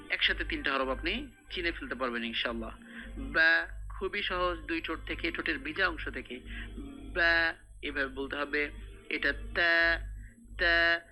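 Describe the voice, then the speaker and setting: A man teaching Quran reading in a recorded lesson, patiently explaining each sound step by step and repeating it slowly. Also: on the high side, sharp tone, low-quality recording.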